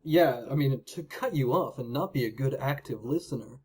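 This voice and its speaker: Male guest, mid-range voice, relaxed conversational tone with lots of hedges. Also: medium pitch, normal speed, slightly rough. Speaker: podcast guest. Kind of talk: casual chat.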